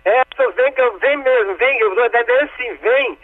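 A man's voice: very high voice, fairly quick. A man on a phone call, talking in an emotional, exasperated and rambling way. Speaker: prank-call victim. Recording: tinny phone line.

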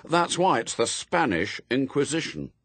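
A man's voice: medium pitch, big pitch swings, a little slow, dry recording, pitched above the performer's own voice. A man voicing a self-important boy who leads a gang in a storybook, firm and pompous, declaiming his orders.

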